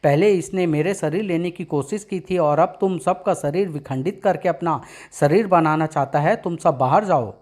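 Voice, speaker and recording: A man's voice: a little high, moderate pace, few pauses, darkish tone, close to an everyday voice. A man doing a bold young comic-book superhero. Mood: determined. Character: brave young male superhero, determined and bold.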